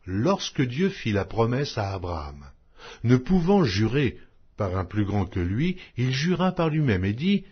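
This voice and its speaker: A man reading scripture aloud as an audiobook, in a solemn, measured, declamatory way. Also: lowish voice, slightly rough, highs cut off. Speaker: audiobook Bible reader.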